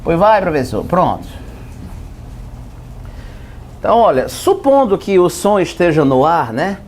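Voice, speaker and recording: A physics teacher gives a joking lesson, playfully playing both roles as he asks and answers his own questions and swings his pitch for effect. His voice is sing-song and darkish at a moderate pace, with slight background noise.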